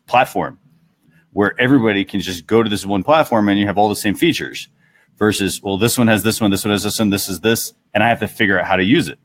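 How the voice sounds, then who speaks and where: A man co-hosting a casual panel discussion, explaining his view with some hesitant starts. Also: lowish voice. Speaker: talk show co-host.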